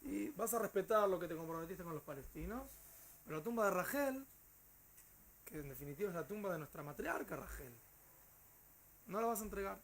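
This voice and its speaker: Man acting earnest pleading rabbi, bright voice. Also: high voice, lively intonation, a little fast, long pauses, a little hiss or hum. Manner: persuasive, explaining.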